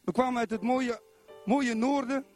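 At a normal pace and in a very high voice, a middle-aged man from Zwolle, Netherlands, preaches a spirited church sermon. He constantly questions the congregation while soft music plays in the background.

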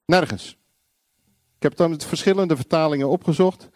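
A man preaching a sermon, blunt and confrontational, acting out little dialogues and shouting single words. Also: a little high, normal speed, no room sound, clean studio sound.

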